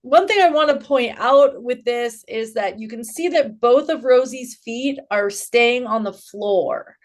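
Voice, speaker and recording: A woman co-hosting a fitness show, explaining an exercise in an earnest, steady way. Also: fairly high pitch, unhurried. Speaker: co-host and trainer. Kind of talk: casual exercise coaching.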